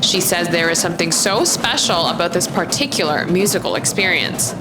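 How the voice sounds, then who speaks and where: A woman's voice: fairly low pitch, expressive, normal speed. A woman reporter reading scripted narration for a feature story. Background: music.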